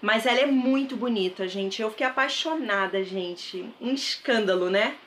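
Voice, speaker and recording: A woman's voice: a little high, moderate pace, a bit bright, slight background noise. Chatty Brazilian woman showing off a thrift haul. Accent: Brazilian Portuguese. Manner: chatty, enthusiastic, addresses viewers as "gente". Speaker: thrift vlogger. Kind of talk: casual haul vlog. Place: bedroom with wardrobe, indoors.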